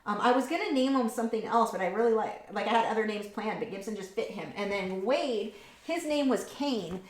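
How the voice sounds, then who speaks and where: A casual, chatty woman talks her way through a live painting lesson at a mid-range pitch. She reads out viewer questions and answers them as she paints. Her voice carries a noticeable room echo. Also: expressive, brisk. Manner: casual, chatty, reading viewer comments aloud. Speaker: art instructor. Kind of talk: live painting tutorial with chat.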